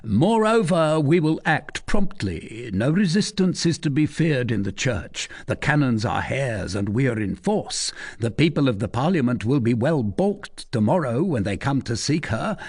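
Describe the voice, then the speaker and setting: A man's voice: medium pitch, sing-song, a little slow, few pauses. A man voicing a bold, commanding male king of beggars in an audiobook, barking orders in a rousing way. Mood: scheming.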